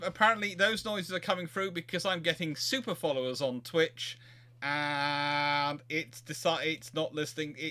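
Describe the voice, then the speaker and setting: A man with a fairly high, very bright voice hosts a casual livestream chat. He talks in a halting, informal way, feeling his way through his sentences. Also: clear, resonant tone. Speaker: livestream host.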